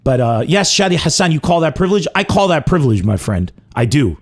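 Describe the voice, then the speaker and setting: A young adult man from Lebanon hosting a comedy podcast, delivering a mock-dramatic comic monologue. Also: brisk. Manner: animated, mock-dramatic swings in pitch and pace.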